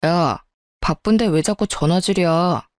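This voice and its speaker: A woman's voice: lowish voice, a little slow, no echo, clean studio sound, natural voice. Woman voicing a curt, dismissive husband. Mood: irritated. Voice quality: curt, scolding. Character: brusque dismissive husband, adult man.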